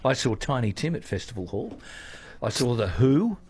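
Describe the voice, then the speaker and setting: An older man answers gardening questions on a talkback radio show. He speaks haltingly, pausing on fillers. The recording comes from a radio studio. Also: medium pitch, very animated, darkish tone, slightly rough. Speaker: gardening expert. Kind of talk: casual radio chat.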